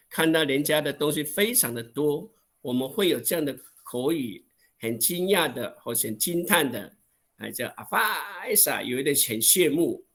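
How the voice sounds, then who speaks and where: Taiwanese guy teaching a language class online, kinda high voice, stretches out and acts the exclamations. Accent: Taiwanese Mandarin. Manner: acts out exclamations with drawn-out, expressive voicing. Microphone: video call.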